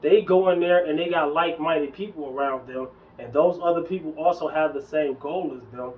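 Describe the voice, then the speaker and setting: A man in his early forties rants in a fairly high voice, slangy and preachy, often circling back to hammer the same point. He sounds set back from the mic, a little distant in the recording. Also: fairly quick, narrow, tinny audio, slight background noise. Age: 40s. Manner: emphatic, preachy, slangy, repeats himself. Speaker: fitness vlogger. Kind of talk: casual ranting monologue.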